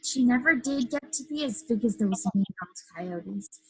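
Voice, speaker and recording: A woman's voice: on the high side, animated, moderate pace, a bit bright, breathy edge, exaggerated voice, poor audio. A woman playing a bubbly but unhinged, weepy children's storyteller with melodramatic sing-song delivery in a comedy sketch. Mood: storybook telling. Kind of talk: comedy sketch staged reading.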